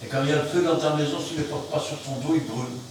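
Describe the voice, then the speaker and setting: A man preaching an emphatic sermon, swinging between loud outbursts and quiet asides. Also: on the high side, fairly even intonation, rapid-fire. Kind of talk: fiery sermon. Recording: very echoey room, mic far off, faint noise.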